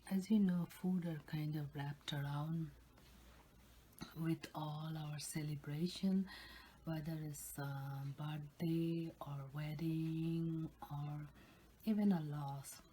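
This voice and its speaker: A woman hosting an ASMR eating video, talking in a soft, unvoiced whisper close to the microphone. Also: deep voice, steady tone, slow pace, slight background noise. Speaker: ASMR channel host.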